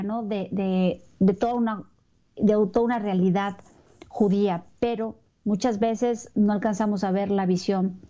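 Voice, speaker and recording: A woman from Mexico with a Mexican accent giving a Catholic religious talk, pausing often with fillers and repeated words. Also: mid-range voice, dark tone. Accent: Mexican Spanish. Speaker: Catholic speaker. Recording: dull lo-fi recording.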